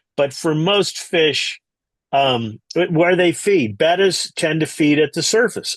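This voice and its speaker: A man's ordinary speaking voice, fairly high in pitch, at a fairly slow pace with lively intonation, in a dry, close sound with no echo. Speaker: microbiologist and guest speaker. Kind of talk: Q&A answers; lecture.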